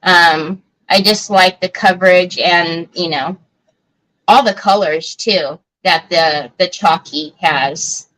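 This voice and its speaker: A woman's voice: on the low side, slow pace, a bit bright, rough recording. A woman hosting a live crafting stream, chatting casually and answering viewer comments with lots of fillers and restarts. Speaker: craft livestream host.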